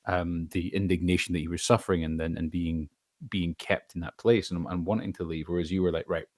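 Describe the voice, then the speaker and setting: A man's voice: low-pitched, fairly even intonation, brisk, darkish tone, no room sound, studio quality. A man speaking as a voice actor in a casual interview, thinking aloud with hesitant starts and thoughtful elaboration. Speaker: voice actor, podcast guest.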